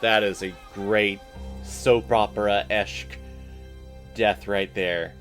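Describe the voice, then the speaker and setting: A man's voice: on the low side, fairly even intonation, slow pace, fairly bright tone, faint music behind. Sarcastic man riffing on a movie. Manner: sarcastic, jokey, talks back to the screen. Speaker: reaction video host. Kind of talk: casual movie watch-along commentary.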